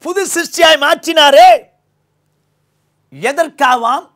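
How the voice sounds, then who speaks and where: An older man with a Tamil accent preaching a sermon from a small indoor studio on a lapel mic, swinging between loud emphasis and low quiet lines. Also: slow. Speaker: pastor.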